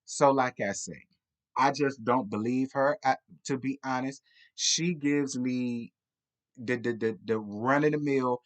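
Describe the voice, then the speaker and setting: A man's voice: mid-range voice, measured pace. An American man giving a casual comedic TV recap, talking in a sassy, blunt, slangy and rambling way. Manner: tipsy, rambling. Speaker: reality TV reviewer.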